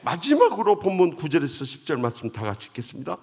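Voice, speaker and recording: Husky, dramatic revival preacher. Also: male voice, a little high, wildly swooping pitch, fast. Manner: dramatic, swings from hushed to loud. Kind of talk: emotional revival sermon storytelling. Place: large church sanctuary. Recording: long church hall reverb.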